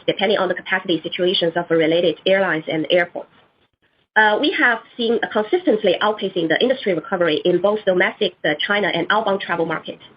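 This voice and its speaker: Husky woman executive on a dull conference line. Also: medium pitch. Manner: formal, hesitant. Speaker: company executive. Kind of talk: scripted earnings call answers. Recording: muffled conference call audio.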